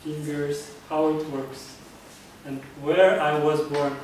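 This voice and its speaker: A man from Kazakhstan gives an earnest, prepared club speech in a meeting room, often restarting phrases with fillers. His voice is a little high with a level tone at a slow pace. Recorded from far off by a camera, the room is echoey with slight background noise.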